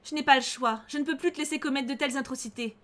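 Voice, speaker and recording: A protective young male vampire from a fantasy story game, calm and steady as he reassures, read aloud by a woman. The voice stays fairly high and barely lowered. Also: quick pace. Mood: resolute.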